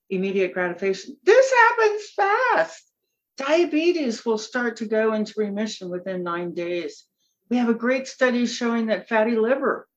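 A woman in her seventies, a nutrition expert speaking as a guest in a podcast conversation, talking with animated, emphatic enthusiasm. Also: mid-range voice, highs cut off. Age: 70s.

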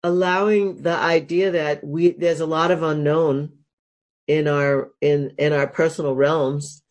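Gravelly-voiced woman with a cold. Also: low voice, a little mellow. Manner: enthusiastic, with fillers and restarts. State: has a cold. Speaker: sex and happiness coach, guest. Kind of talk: casual interview talk.

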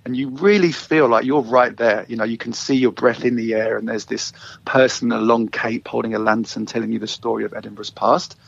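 A man's voice: medium pitch, fairly even intonation, brisk, gravelly, slightly rough, no echo. A middle-aged man with a London accent, chatting as an interview guest about how he started a walking tour business. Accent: London English. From England. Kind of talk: casual interview storytelling. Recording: slightly dull lo-fi sound.

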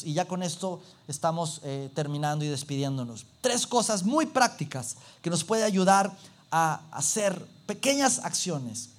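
Animated preacher, high voice. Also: male voice. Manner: animated, acts out little scenes. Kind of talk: sermon.

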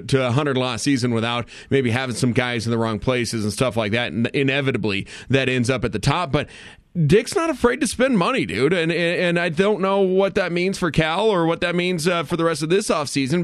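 Brief: male morning radio host, slightly high voice, brisk and upbeat, dry close studio mic. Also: no echo. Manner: upbeat, brisk, leads the conversation.

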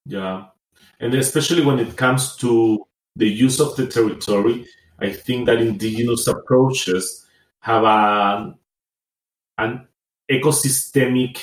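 A man's voice: medium pitch, fairly even intonation, unhurried, reverberant, low-quality recording. A man from Rapa Nui who works on indigenous policy, speaking thoughtfully in a conversational interview with many hesitations. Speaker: indigenous policy council member.

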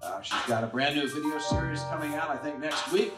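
A man hosting a live comedy talk show, introducing guests and dropping playful, absurd deadpan asides. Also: fairly high pitch, a little fast, distant mic. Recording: echoey room with loud music.

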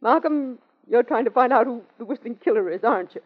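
A woman's voice: on the high side, quick pace, breathy edge. An actress playing a tough-talking young woman with slangy, streetwise speech, in 1940s radio acting. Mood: conspiratorial. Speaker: anonymous telephone informant. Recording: dull old radio broadcast.

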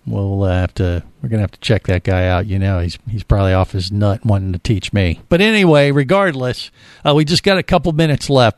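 A man's voice: mid-range voice, dry recording. Middle-aged male co-host, rambling and filler-heavy, dry close sound. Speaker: podcast co-host. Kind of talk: casual chat.

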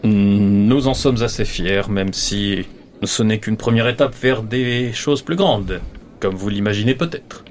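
A man voicing a formal, self-satisfied male notary in a tabletop role-play, speaking slowly and with measured care. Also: lowish voice, slight background noise, natural voice. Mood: smug.

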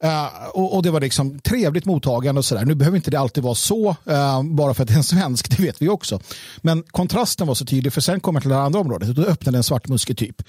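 Husky-voiced man hosting a halting chat. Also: a little high, animated, a little mellow, no echo, clean studio sound. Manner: halting, repeats words, tells anecdotes. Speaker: host. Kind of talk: casual political discussion.

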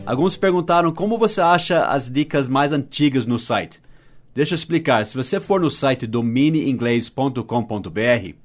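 A Portuguese-speaking man hosting a short podcast lesson, explaining slowly and spelling words out letter by letter. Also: mid-range voice, lively intonation, soft background music. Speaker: English teacher.

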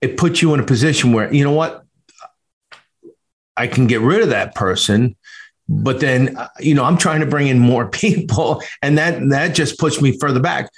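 Guy hosting a business chat show, mid-pitched voice, talks animated, lots of you know. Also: moderate pace. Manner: animated, storytelling with acted quotes. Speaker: podcast host. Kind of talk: conversational interview.

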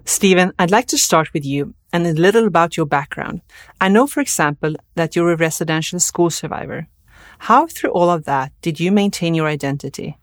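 A woman from Sweden with a Swedish accent, hosting a podcast in a measured, clear way. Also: lowish voice, dry recording, clean studio sound. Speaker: podcast host. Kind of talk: scripted intro and interview questions.

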